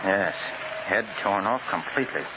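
An actor playing a decisive private detective in a 1940s radio drama, with a clipped, authoritative way of giving orders. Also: male voice, low-pitched, lively intonation, normal speed, narrow, tinny audio. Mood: cool, deliberate. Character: decisive, commanding male private detective, cool under danger. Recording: noisy, thin 1940s radio recording.

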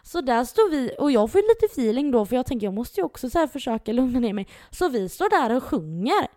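This young woman co-hosts a podcast and spins a casual, animated tale, putting on voices for whoever she quotes. Though dark and mellow in tone, her voice is high-pitched and sing-song, and the close, dry recording has no room sound.

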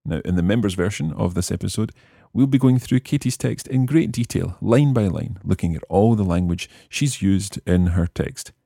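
A man's voice: on the low side, normal speed, gravelly, dark tone, slightly rough, no room sound, clean studio sound. A man hosting a language lesson, explaining and repeating phrases for learners in scripted teaching narration.

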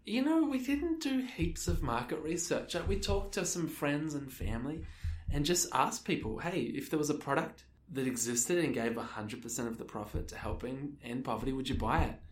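A man's voice: fairly high pitch, expressive, moderate pace. A thirty-year-old Australian man giving casual, informal answers as an interview guest. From Melbourne, Australia. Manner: informal, conversational, peppered with "like" and "you know". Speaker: interview guest, social enterprise co-founder. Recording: echoey room, distant from the mic.

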